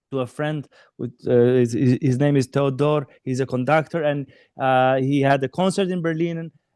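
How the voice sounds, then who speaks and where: This man talks at a moderate pace with an Albanian accent, his pitch fairly high and his pitch variation ordinary. The sound is dry and close with no echo, over a quiet background. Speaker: choreographer. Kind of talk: interview. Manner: halting, many fillers and restarts.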